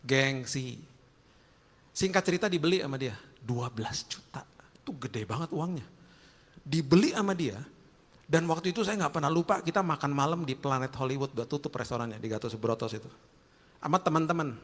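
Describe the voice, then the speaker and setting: A middle-aged man with a Jakarta accent, telling lively, joking stories in a sermon. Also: fairly high pitch, a little fast. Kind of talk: storytelling sermon. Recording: long hall reverb.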